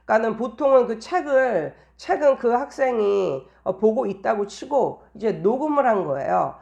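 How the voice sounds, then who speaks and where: A woman's voice: fairly high pitch, lively intonation, moderate pace, gravelly, a little mellow. A woman tutor talking casually in an anecdotal monologue, explaining things and repeating phrases for emphasis. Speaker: private English tutor giving teaching tips.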